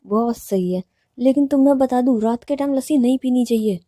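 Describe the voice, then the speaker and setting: A woman voicing a quick-tempered but loving young college woman who scolds loudly and often turns indignant. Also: on the high side, animated, no room sound, clean studio sound. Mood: affectionate.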